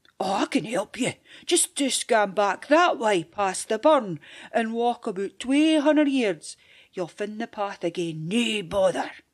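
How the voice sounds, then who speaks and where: A woman's put-on character voice at a fairly high pitch and fairly slow pace, in a very clean recording with a silent background. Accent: Scottish. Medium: read story. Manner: wheedling, faux-friendly.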